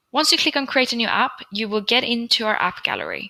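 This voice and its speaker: This voice has a bright, sharp tone and a Swedish accent, moving at a fairly quick pace. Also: woman. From Sweden. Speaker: customer success executive. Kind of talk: tutorial. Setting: office.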